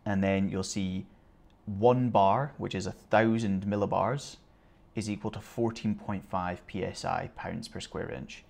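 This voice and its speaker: A man teaching an online aviation lesson, explaining in a relaxed, conversational way with casual asides. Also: deep voice, gravelly. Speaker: flight theory instructor.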